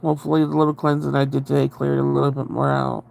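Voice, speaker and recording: Speaking quickly in a flat delivery, a man hosts a casual livestream, rambling and greeting viewers with a cold-congested, nasal voice. It's mid-range, darkish, with vocal fry. He's very close to the mic with audible breathing, and there's slight background noise.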